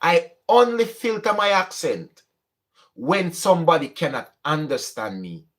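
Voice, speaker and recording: A young man speaks with a strong Jamaican accent in a relaxed vlog monologue. He drifts between standard English and patois as he talks. His voice sits a little higher than most men's. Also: a little slow. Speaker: channel host.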